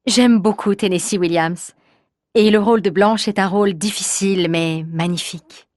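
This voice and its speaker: A woman performing an actress being interviewed, in a scripted learner dialogue, speaking measured and deliberate. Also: mid-range voice, steady tone, darkish tone, no room sound, studio quality. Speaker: voice actor and title announcer.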